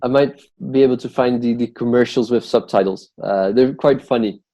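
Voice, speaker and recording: A man's voice: mid-range voice, normal speed, mellow, dry recording, highs cut off. A man from the Netherlands with a Dutch accent tinged with British English, chatting casually as a podcast guest and filling his talk with "like". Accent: Dutch with some British English. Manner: rambling, heavy use of "like". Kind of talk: casual conversation.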